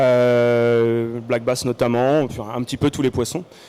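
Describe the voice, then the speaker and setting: A man's medium-pitched voice at a fairly slow pace, over noticeable background noise. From Brittany, France (Morbihan, Vannes). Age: 30s. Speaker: schoolteacher and fishing guest. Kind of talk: interview. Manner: halting.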